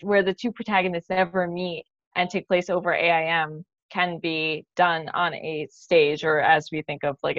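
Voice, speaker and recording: A woman's voice: fairly low pitch, no echo, lo-fi sound. A young woman speaking as a guest in an informal, candid, conversational way over a video call. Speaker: playwright, guest. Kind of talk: casual conversational explanation. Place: living room at home. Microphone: computer mic on a video call.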